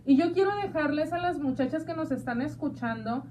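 A woman's voice: high voice, brisk, darkish tone, distant mic, a little hiss or hum. Playful Mexican woman hosting a talk show. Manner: chatty and playful, calls listeners "hija de mi vida". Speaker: radio show host. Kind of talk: casual talk show chat.

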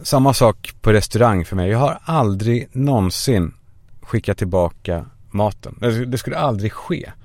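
A man's voice: lowish voice, darkish tone, dry recording. A young man hosting a podcast alone from a parked car, a self-mocking, swearing comic monologue. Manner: self-mocking, swearing, acts out voices in quotes. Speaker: podcast host.

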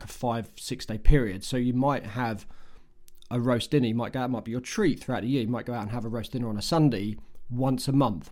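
A man in his forties, a health coach hosting a podcast, talking casually with a slightly croaky voice from a cold, often repeating words as he thinks. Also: mid-range voice, mellow. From United Kingdom. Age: 40s. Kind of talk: casual solo podcast talk.

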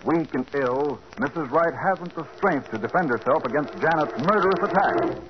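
A man's voice: a little high, animated, moderate pace. A man announcing and narrating a 1940s radio drama in a dramatic style. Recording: dull old radio recording with clear hiss.

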